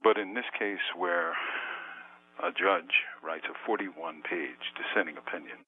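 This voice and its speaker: A man speaking from a prison cell over a prison phone line in a measured, halting interview manner with many pauses. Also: sits low, slightly rough. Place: prison cell on death row.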